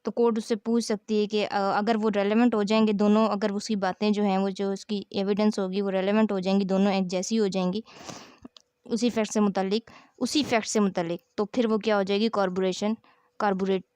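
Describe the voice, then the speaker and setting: Woman, South Asian accent, instructional lecture, didactic, crisp tone, dry close sound, repeats key phrases. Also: mid-range voice, flat delivery, a little fast, a little mellow, no echo. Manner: didactic, poses questions and answers them, repeats key phrases. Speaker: law teacher. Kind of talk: explanatory lecture, reading out legal articles and explaining them.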